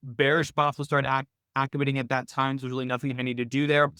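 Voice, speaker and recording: A man speaks as the host of an informal live coaching call. His voice is mid-pitched and crisp, and he explains things step by step, often restating his points. The sound is close and dry, with very little room in it. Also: little pitch movement, fast, pushed and bright, no room sound. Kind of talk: informal financial coaching, live webinar commentary.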